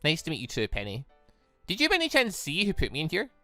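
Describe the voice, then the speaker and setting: A bewildered young man in a visual novel, acted out by a narrator, anxious and hesitant. The voice is bright, with dramatic swings in pitch and a note of disbelief. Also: huge pitch swings, fast, no room sound, faint music behind. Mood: wary, polite.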